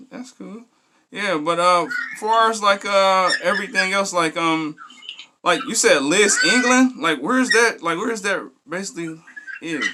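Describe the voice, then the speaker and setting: Speaking at a fairly slow pace, a man with an American accent uses a raised, projected voice at a high pitch, with ordinary pitch variation and big swings in loudness. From Detroit, Michigan, US. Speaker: radio host. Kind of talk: interview. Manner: halting.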